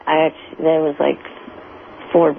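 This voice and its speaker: A man with a fairly high, heavily creaky voice speaks slowly and haltingly. The delivery is flat, over a thin, hissy phone-like line. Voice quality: creaky, gravelly. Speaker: show guest, amateur writer. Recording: tinny phone-like line with hiss.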